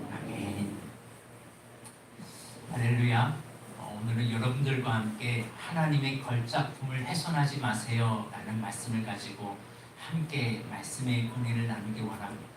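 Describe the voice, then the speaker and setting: A male pastor preaches with earnest, storytelling energy. His voice rings through a very echoey church hall, caught from a distance, with a faint hum of the room behind him. His pitch sits in a mid range. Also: normal speed. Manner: earnest preaching with acted-out anecdotes. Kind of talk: sermon. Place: church sanctuary.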